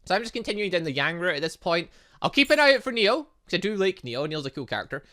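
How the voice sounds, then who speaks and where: A man hosting a gaming video, giving casual, excitable and rambling commentary and stumbling as he reads game text aloud. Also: sits high, fast talker. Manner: excitable, rambling, stumbles over read lines. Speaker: gaming video host, let's play narrator.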